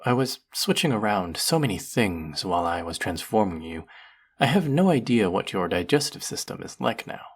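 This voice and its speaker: A performer playing a gloating, sadistic sorcerer in a roleplay audio drama, cooing over a captive pet in mock-sweet baby talk with a breathy, gravelly voice. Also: deep voice, full character voice. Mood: playful musing.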